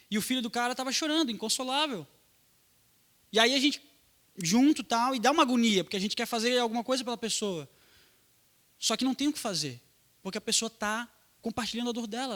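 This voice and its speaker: A young pastor preaches in a loose, slangy way, talking straight to young people. His voice sits high and sounds bright and forward. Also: fast. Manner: casual slangy preaching, talks to youth. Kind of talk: sermon.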